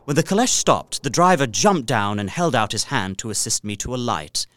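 An actor playing an earnest, uneasy gentleman traveller, narrating his journal in a deliberate, literary gothic drama style. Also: medium pitch. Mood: ominous suspense. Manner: literary, deliberate, expressive storytelling.

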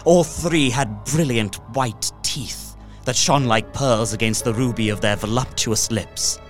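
An actor playing an anxious young man trapped in a castle, narrating a diary in a gothic horror audio drama with dramatic hushed dips and swells. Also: mid-range voice, measured pace, soft background music, close to an everyday voice. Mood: shaken.

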